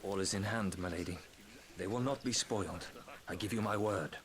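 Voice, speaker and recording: An actor playing a deferential military subordinate in a fantasy game, formal and obliging. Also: male voice, sits low, normal speed, natural voice. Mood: courteous, assured. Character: deferential, smooth-talking male military subordinate. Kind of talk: fantasy video game voice acting. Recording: loud crowd hubbub behind.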